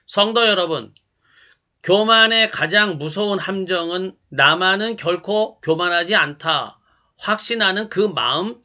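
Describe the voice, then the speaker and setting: Man preaching, high voice, calm and measured, instructive sermon, muffled lo-fi sound. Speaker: pastor.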